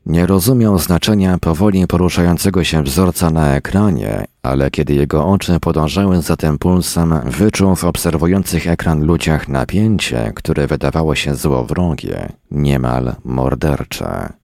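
A man reading a story aloud as narrator, in a steady, even way. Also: very deep voice, a little slow, few pauses, no room sound, studio quality. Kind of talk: audiobook reading.

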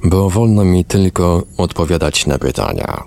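A man reading the lines of a tired young woman under hypnosis, in slow, subdued, matter-of-fact answers. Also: low-pitched, lively intonation, darkish tone. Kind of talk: reading a hypnosis session transcript aloud.

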